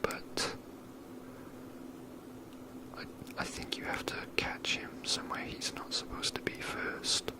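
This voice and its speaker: A person whispering casual, rambling ASMR commentary while playing a video game, in a breathy, unvoiced voice. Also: slow pace, pauses often, rough recording.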